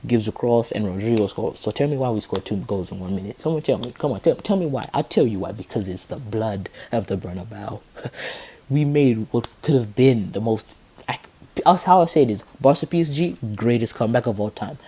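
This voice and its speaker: A young man hosting a podcast, chatting excitedly about football, laughing often and hammering the same rhetorical question. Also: lowish voice, fairly quick, a little hiss or hum. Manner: excitable, keeps repeating "tell me why", laughs often. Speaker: podcast host. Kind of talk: casual football chat.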